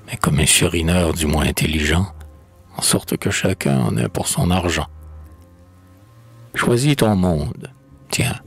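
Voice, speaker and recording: A man's voice: extremely low pitch, vocal fry, a bit bright, husky. A man giving a theatrical, declaiming recitation of verse, swinging between sudden rises and drops. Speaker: poetry reader. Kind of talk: dramatic poetry recitation.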